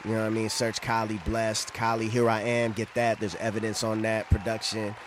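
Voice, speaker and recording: A man's voice: lowish voice, little pitch movement, brisk, crowd noise, background noise. A man chatting as a guest rapper on a podcast, laid-back and swearing freely. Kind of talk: casual podcast chat.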